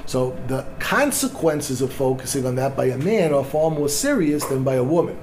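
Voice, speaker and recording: A man's voice: medium pitch, expressive, moderate pace, darkish tone, slight background noise. A middle-aged man teaching a class on Jewish law as a rabbi, discursive and full of Hebrew legal terms, often restarting his sentences. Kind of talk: lecture on Jewish law with audience questions.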